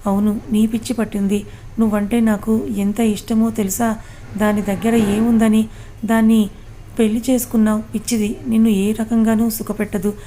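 A woman's voice: on the high side, level tone, moderate pace, dark tone, slight background noise, close to an everyday voice. A woman voicing a pushy, lovesick young woman who pleads and clings, in a read-aloud story. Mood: pleading.

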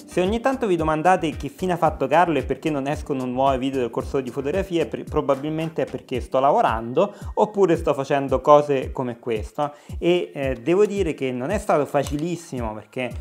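A man's voice: a little high, lively intonation, fairly quick, hardly any pauses, a little mellow, soft background music. Chatty man vlogging. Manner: chatty, explanatory, frequent hesitations. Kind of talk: casual vlog narration.

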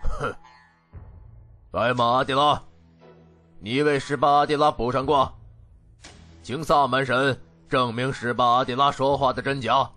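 An actor playing a stern, imperious, quick-to-anger king in an ancient fantasy audiobook drama, cold and commanding. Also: mid-range voice, little pitch movement, pushed and bright, soft background music. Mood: angry, imperious. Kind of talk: Chinese audiobook drama acting.

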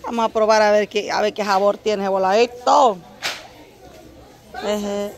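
A woman's voice: medium pitch, steady tone, a little slow, a little hiss or hum. A middle-aged woman, vlogging casually as she shops at an outdoor market, chatting with vendors and talking straight to her viewers. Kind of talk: casual market-shopping vlog.

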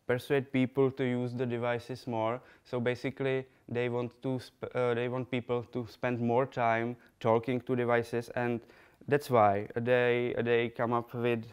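Young Czech man giving a halting talk. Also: mid-range voice, completely flat delivery, clear, resonant tone. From Czech Republic. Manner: halting, many fillers and restarts. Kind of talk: conference talk with slides. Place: lecture room, indoors.

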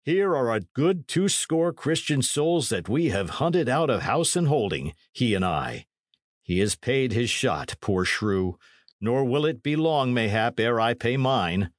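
A man voicing a gruff, uneasy middle-aged male retainer with brusque, old-fashioned speech. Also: medium pitch, sing-song, measured pace, dry recording, clean studio sound. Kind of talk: audiobook character voice.

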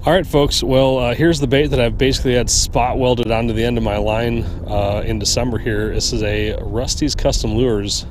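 A man's voice: medium pitch, fairly even intonation, normal speed, hardly any pauses. A man in his thirties hosting a fishing vlog from a small boat on a lake, chatting upbeat about his gear. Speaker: fishing show host. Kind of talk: casual outdoor fishing vlog. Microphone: action camera on the boat. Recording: wind and water noise outdoors.

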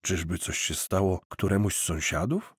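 A man's voice: sits low, moderate pace, husky, no echo. A man narrating an audiobook in a wry comic storytelling manner, recorded close on a studio mic.

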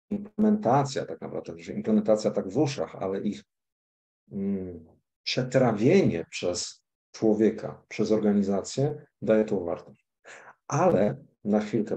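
A man with a low, mellow voice explains in a measured, methodical way during an online meetup. He speaks as one of the organizers, adding points and announcements. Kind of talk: discussion on a video call. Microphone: video call.

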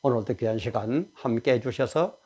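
A man's voice: medium pitch, moderate pace, warm tone, breathy edge. A male pastor, preaching an emphatic, exhorting sermon.

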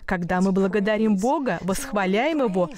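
A woman's voice: medium pitch, expressive, moderate pace, darkish tone. A middle-aged woman dubbing a guest minister on a Christian talk show, telling stories in an earnest voice-over.

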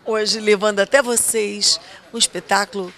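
A woman's voice: medium pitch, steady tone, moderate pace, a bit bright. A woman with a Carioca accent reporting and interviewing passersby on the street, upbeat with prompting questions. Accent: Carioca Portuguese. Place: busy street outdoors.

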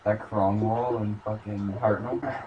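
Young guy joking around w his buddy, lowish voice, noisy room. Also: fairly even intonation, takes it slowly, darkish tone, dull audio. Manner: teasing, laughing banter. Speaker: friend co-host. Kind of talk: casual chat.

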